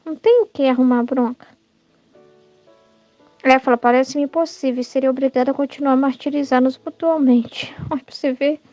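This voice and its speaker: A woman's voice: high voice, steady tone, fairly quick, mellow, no room sound, lo-fi sound, faint music behind. A Brazilian woman giving informal Catholic spiritual teaching, talking conversationally, often adding "né?" and acting out quoted thoughts. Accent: Brazilian Portuguese.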